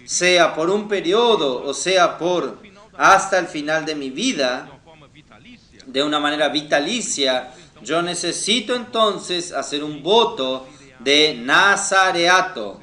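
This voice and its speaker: A man's voice: on the high side, animated, slow, sharp tone. The man you'd hear at a youth Bible meeting, spelling out scripture very unhurriedly and quizzing his listeners, his words echoing round the room. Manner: didactic, often posing questions to listeners. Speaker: preacher. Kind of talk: teaching sermon to teenagers. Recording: roomy, echoing sound.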